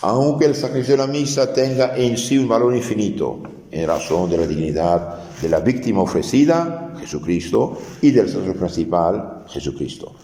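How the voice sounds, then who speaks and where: Deep-voiced priest preaching in an echoing church. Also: male voice, expressive, moderate pace, warm tone, a little hiss or hum. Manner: earnest, explanatory preaching with restarts and dramatized Gospel quotes. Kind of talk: sermon. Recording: echoey, reverberant hall.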